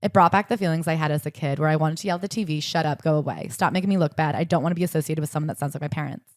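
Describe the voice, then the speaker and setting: A young woman co-hosting a podcast, summarizing a book and reading passages aloud in a brisk, chatty way. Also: low-pitched, a little mellow, no echo, studio quality. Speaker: podcast co-host. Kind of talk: casual book-club chat with read-aloud passages.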